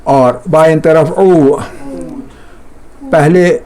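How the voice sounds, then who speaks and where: A man teaches a language class. His voice sits a little high, and he repeats each word slowly, then asks students to say it back and corrects them. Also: fairly even intonation, mellow, smooth. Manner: drills words by slow repetition. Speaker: Persian teacher.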